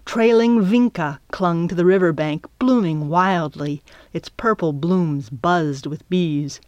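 A woman narrating a children's chapter book in a calm, measured reading. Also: on the low side, no room sound, highs cut off. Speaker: audiobook narrator. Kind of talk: scripted narration.

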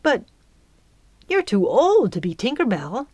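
A woman's voice: on the high side, wildly swooping pitch, darkish tone, breathy edge, no echo, pitched above the performer's own voice, exaggerated voice. A woman as an earnest, impulsive young girl. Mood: doubtful wonder. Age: child. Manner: earnest, pleading, halting. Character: eager, doubtful, impulsive young orphan girl.

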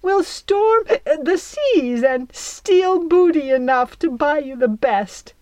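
A tiny old fairy queen with a breathy, gushing voice that climbs very high and carries some force, put on by a woman reading a storybook. She talks slowly, and the recording is dry and close. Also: sing-song, no room sound, full character voice.

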